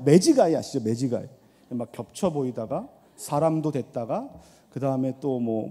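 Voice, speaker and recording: A middle-aged man preaching a sermon as pastor, swinging between loud appeals and hushed asides, with rhetorical questions and storytelling, in a church sanctuary. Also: a little high. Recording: long church hall reverb.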